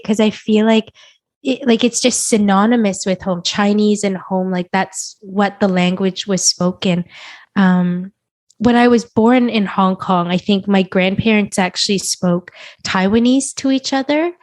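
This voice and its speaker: A woman's voice: medium pitch, measured pace, a little mellow. Woman chatting thoughtfully on a podcast. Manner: thoughtful, uses "like" a lot. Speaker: podcast co-host. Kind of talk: casual podcast chat.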